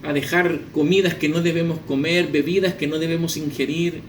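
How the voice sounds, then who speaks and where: Animated preacher man, high voice, echoey room. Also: moderate pace. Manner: animated, acts out characters in a joke story. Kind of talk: sermon with storytelling. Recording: echoey room with faint noise.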